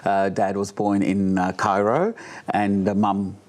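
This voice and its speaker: An older man with a fairly low, soft voice, born in Egypt and raised speaking Italian. He talks in an easygoing interview style. He often hesitates, restarts and fills the gaps with "uh" and "um". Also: level tone, unhurried. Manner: hesitant, with many fillers and restarts. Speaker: guest, drag performer. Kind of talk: relaxed interview chat.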